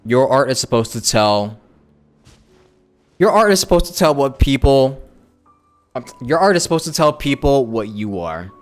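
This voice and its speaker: A man's voice: medium pitch, big pitch swings, moderate pace, pauses often. A young man giving casual livestream commentary on a game in an informal, slangy way. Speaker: game streamer. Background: faint game music.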